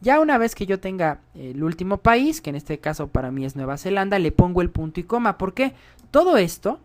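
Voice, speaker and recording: A man's voice: sits high, sing-song, fairly quick. Chatty man teaching code. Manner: chatty, explains step by step, often asks "¿sale?". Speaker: programming tutor. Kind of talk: screen-recorded coding tutorial.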